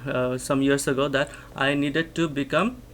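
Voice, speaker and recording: Here the English teacher and channel host, a young native Bangla speaker with a Bangladeshi accent, works through a research paper line by line, reading and explaining as he goes. He speaks at normal speed in a mid-range, fairly bright voice with fairly even intonation, and a faint hiss or hum sits under the audio. Restarts and rhetorical "right?"s pepper his thinking aloud.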